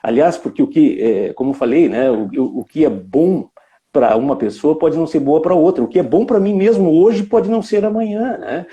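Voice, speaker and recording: A Brazilian man with a slightly high, mellow voice gives a reflective live lecture at normal speed, musing aloud with frequent tag questions and restarts. The highs in the recording are cut off.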